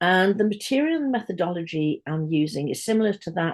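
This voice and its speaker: Speaking at a medium pitch, a woman has an English accent. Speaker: music teacher. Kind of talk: webinar presentation. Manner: fast.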